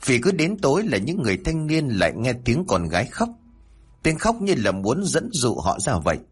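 A man with a Southern Vietnamese accent narrating a village horror story in an expressive storytelling manner. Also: mid-range voice, breathy edge.

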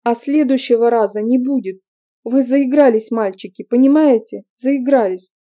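A woman voicing a young brunette woman who is tearful and furious and speaks in sharp, accusing outbursts, in an audiobook. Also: fairly high pitch, moderate pace, close to an everyday voice. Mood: angry, tearful. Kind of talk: audiobook character reading. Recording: dull lo-fi recording.

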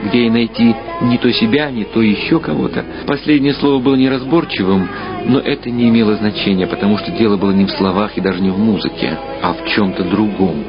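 A man's voice: on the low side, fairly quick. A man reading scripted literary narration as the narrator of an audio drama. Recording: dull lo-fi sound under loud music. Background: loud music.

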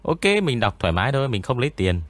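A man with an eerie, spooky-sounding voice, a ghost story narrator chatting in a relaxed, rambling interview with frequent pauses. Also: mid-range voice, no room sound. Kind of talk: casual interview chat.

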